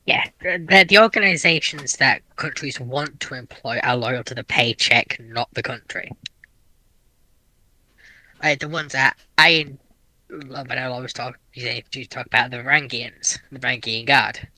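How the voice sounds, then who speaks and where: Very bright-voiced man explaining things. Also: mid-range voice, a little slow, poor audio. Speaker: panelist. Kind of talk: informal panel discussion.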